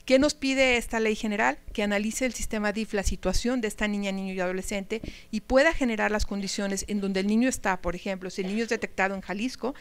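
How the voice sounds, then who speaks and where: A woman lectures a room of teachers in a conversational way, often turning to them with questions. Her voice is smooth and clear, at a mid pitch. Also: steady tone, fast, few pauses. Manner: conversational, asks the audience questions. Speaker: speaker at a teacher training talk.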